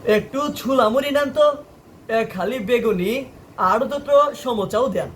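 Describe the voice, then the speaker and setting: A busy, kindly dad played by a male narrator in a storybook tale. His voice is raised and high for a man, over faint background noise. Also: measured pace. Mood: brisk request. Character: busy, kindly father shopping at market.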